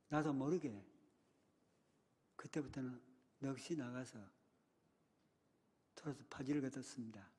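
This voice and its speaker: Older preacher in an echoing church. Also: male voice, mid-range voice, mellow. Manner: dramatic retelling, voicing childhood cries and a teacher's words. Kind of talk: sermon storytelling. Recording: long reverb of a church hall.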